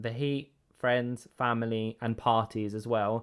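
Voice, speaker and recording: With an English accent, a man speaks at a medium pitch and fairly slow pace on a very clean recording with a silent background. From Greece, with years in the UK. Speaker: podcast co-host. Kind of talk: casual chat.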